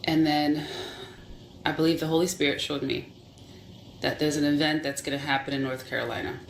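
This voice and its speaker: Halting Christian speaker in a roomy space. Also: mid-range voice, steady tone, gravelly. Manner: halting, searching for words, repeats itself. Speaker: Christian sharing a vision. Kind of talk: spiritual testimony to camera. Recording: roomy echo with faint background hum.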